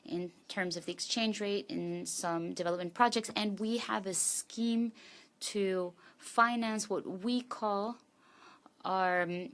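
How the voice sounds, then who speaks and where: A woman working as a simultaneous interpreter, rendering a panelist's speech in a steady, formal first-person delivery. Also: medium pitch, slow.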